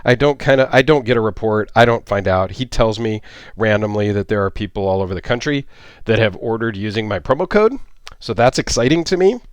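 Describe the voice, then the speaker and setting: A man's voice: lowish voice, lively intonation, brisk, dry recording. A middle-aged man giving a casual, rambling gear review on his channel, with many ums and restarts. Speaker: YouTube reviewer.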